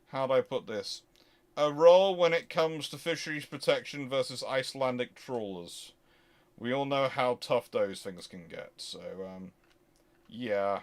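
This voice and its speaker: Discursive man thinking aloud while answering questions. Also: mid-range voice. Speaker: host answering audience questions. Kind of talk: unscripted question-and-answer talk.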